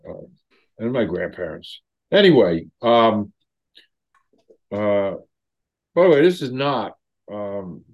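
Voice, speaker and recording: A man in his seventies hosting an interview, speaking reflectively and haltingly with many fillers. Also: lowish voice, highs cut off. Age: 70s. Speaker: host. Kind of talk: interview conversation.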